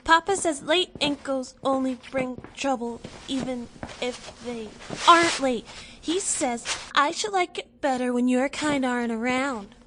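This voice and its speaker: A woman's voice: high-pitched, measured pace, background noise. A woman playing a nosy, chatty young child in an audio drama, speaking in a prim, inquisitive way. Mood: prim, teasing. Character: nosy, chatty, blunt young child living in space colony.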